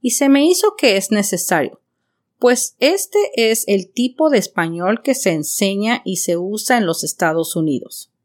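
A woman from Mexico City with a Mexican Spanish accent, hosting a podcast for learners and speaking slowly and clearly to the listener. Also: medium pitch, lively intonation. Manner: slow, clear, friendly delivery addressing the listener directly. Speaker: podcast host and bilingual teacher. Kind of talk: scripted podcast monologue for learners.

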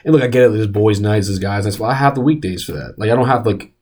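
A young man co-hosts a casual sports podcast. His voice sits a bit low, and he rambles animatedly, restarting sentences and piling on fillers as he goes. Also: quick pace, darkish tone. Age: young adult. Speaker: podcast co-host. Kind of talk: casual chat.

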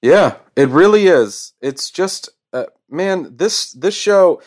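A man co-hosting a casual podcast, talking through an anime episode with enthusiasm and lots of halting restarts. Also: high-pitched, expressive. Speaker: podcast co-host. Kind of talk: casual anime review chat.

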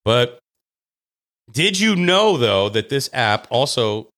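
A man co-hosting a podcast in casual banter, blunt, jokey and quick to swear. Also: mid-range voice, sing-song, a bit bright. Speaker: podcast co-host.

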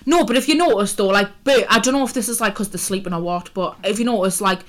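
A woman's voice: medium pitch, fast talker, fairly bright tone. Hungover woman podcaster. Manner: chatty, jokey, sweary. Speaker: podcast co-host. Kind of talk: casual chat.

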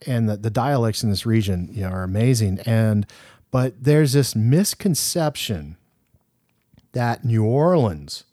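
Dark-voiced man, rambling chat. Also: on the low side, expressive, measured pace, no room sound, clean studio sound. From Louisiana. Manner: rambling, chatty, frequent restarts. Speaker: podcast co-host. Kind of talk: casual movie discussion.

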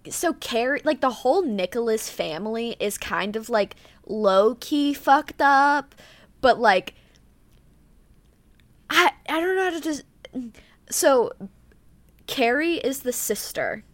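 A woman's voice: on the high side, lively intonation, takes it slowly, long pauses, no echo. Chatty young woman recounting a crime case. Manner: chatty, full of "like" and "um", reads notes aloud. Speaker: podcast co-host. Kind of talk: casual true-crime chat.

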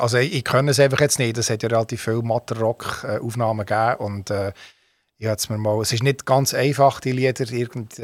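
A man from Switzerland talks casually in an interview. His Swiss German carries a faint American accent, and he often breaks off and rephrases. The voice sits at a middle pitch, recorded close and dry. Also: no echo. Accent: Swiss German with a faint American tinge. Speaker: interviewed musician. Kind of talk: casual radio interview talk.

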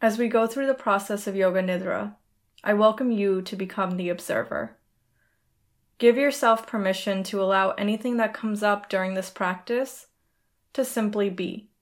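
A woman guides listeners as a meditation host. Her delivery is soothing and measured, with instructions laid out in an orderly, deliberate way. It has the style of a spoken relaxation practice. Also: medium pitch. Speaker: podcast host and yoga nidra guide.

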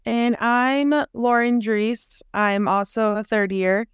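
A woman from Miami, a dental student, giving a relaxed introduction. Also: on the high side, slow pace, clean tone, dry recording, studio quality. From Miami, Florida. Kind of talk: casual self-introduction.

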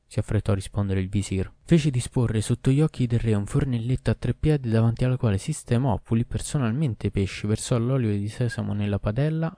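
A man narrating a fairy tale in a steady, measured reading. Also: mid-range voice, no echo, clean studio sound. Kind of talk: audiobook story narration.

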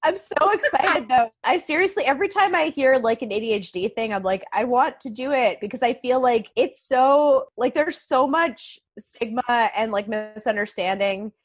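A woman chatting as a guest on a podcast, bubbly and talkative, full of quick asides. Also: high-pitched, expressive, husky. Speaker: podcast guest, nonprofit founder. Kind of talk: casual podcast chat.

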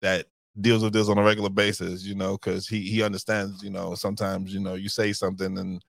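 A man hosts a podcast in a loose, friendly way, chuckling often and circling back on his words. His voice sits a bit low, and the sound is dry and close. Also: little pitch movement, fairly quick, vocal fry, no room sound. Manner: friendly, chuckling, repeats himself. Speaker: podcast host. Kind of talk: casual chat.

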